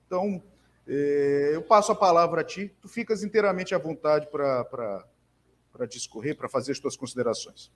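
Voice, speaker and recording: A Brazilian man in a conversational discussion, speaking earnestly and haltingly, with many repeated fillers and restarts. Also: fairly high pitch, slight background noise. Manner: earnest, emphatic convictions. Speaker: conversation partner, bookseller.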